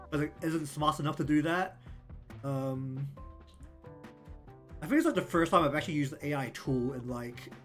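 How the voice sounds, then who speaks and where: A man with a New Zealand accent chats loosely on a livestream, wandering through his thoughts with plenty of ums and likes. His voice sits at an ordinary middle pitch, with soft lofi music playing faintly behind. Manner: rambling, many ums and likes. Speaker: streamer and artist. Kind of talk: casual livestream chat.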